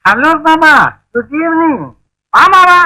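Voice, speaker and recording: A young woman in an old film, teasing someone playfully over the phone. Her voice is very high and brightly ringing. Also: expressive, takes it slowly, heavily acted, low-quality recording. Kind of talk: 1960s film acting.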